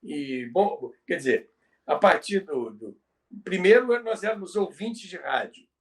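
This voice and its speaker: A man's voice: on the high side, lively intonation, a little slow. An older Brazilian man co-hosting a conversational talk on history, explaining in an emphatic, didactic way and repeating phrases. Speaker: co-host, former radio professional. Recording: distant from the microphone.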